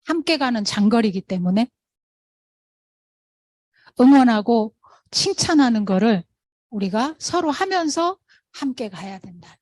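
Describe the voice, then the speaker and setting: Woman, motivational sales talk, high-ish voice, animated storyteller who acts out quotes, dry close sound. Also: measured pace, pauses often, no room sound. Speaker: motivational speaker at a sales meeting.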